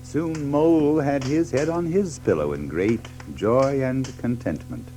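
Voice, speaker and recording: A man's voice: medium pitch, a little slow, warm tone, faint music behind, close to an everyday voice. A man narrating a children's story from a script.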